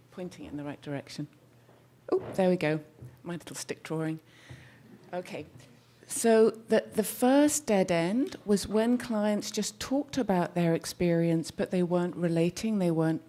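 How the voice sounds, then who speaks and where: A soft-spoken woman, a therapist, presenting a talk to an audience through a microphone. She speaks thoughtfully and sometimes restarts as she searches for words. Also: fairly low pitch, moderate pace. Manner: soft-spoken, leans in to the mic.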